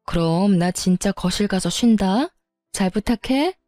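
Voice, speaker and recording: A woman's voice: mid-range voice, lively intonation, measured pace, dark tone, no room sound, studio quality, soft background music, lightly acted. A woman voicing a friendly, easygoing sister-in-law who talks casually and cheerfully.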